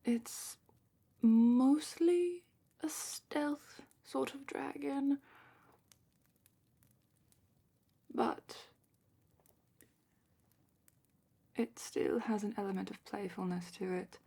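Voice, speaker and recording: A woman playing a gentle, knowledgeable dragon keeper in a fantasy ASMR roleplay, speaking in a hushed, breathy, unhurried way that often drops into a whisper. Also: on the high side, full character voice. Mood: soft, thoughtful. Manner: hushed, unhurried, careful explaining.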